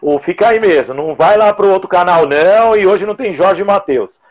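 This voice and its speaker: A man's voice: high-pitched, lively intonation, a little fast. A man in his forties with a Brazilian Portuguese accent, hosting a casual live interview over a video call with earphones at home. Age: 40s. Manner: chatty, jokey, announces schedule. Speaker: live show host. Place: room at home. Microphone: earphones with mic on video call.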